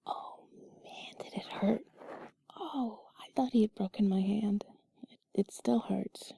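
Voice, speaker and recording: A woman telling a personal story in an intimate, cuddly, breathy whisper, soft, rambling and confiding, as if to one listener. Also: mid-range voice, steady tone, slow pace, no room sound. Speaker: intimate audio creator.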